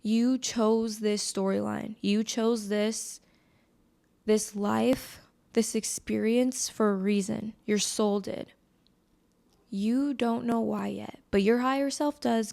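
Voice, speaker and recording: American woman, casual solo podcast host, slightly high voice, creaky, scratchy, congested, informal and chatty, close mic. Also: steady tone, slow pace, a little mellow. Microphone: close podcast microphone.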